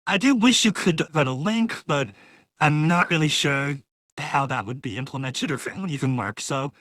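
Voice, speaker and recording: A man's voice: fairly high pitch, a bit bright, dry recording, clean studio sound. Rambling man through a voice changer. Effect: real-time AI voice changer. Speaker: host demonstrating voice changer software. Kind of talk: casual live software walkthrough.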